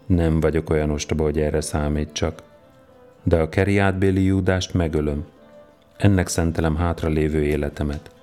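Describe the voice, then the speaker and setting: Fierce, bitter ragged disciple, read by a man; low, dark, defiant. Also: steady tone, faint music behind.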